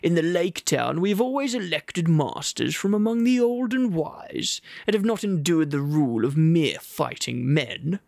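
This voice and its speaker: A man's voice: a little high, sing-song, creaky, no echo, clean studio sound, heavily acted. A man putting on a posh, pompous town master. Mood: haughty. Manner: loud, haughty, drawn-out speechifying.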